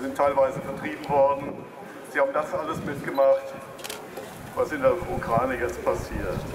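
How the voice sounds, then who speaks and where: Long, frequent pauses break up speech delivered at a moderate pace. Noticeable background noise can be heard behind it. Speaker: rally participant speaker. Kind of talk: rally speech. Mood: earnest, concerned. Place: street.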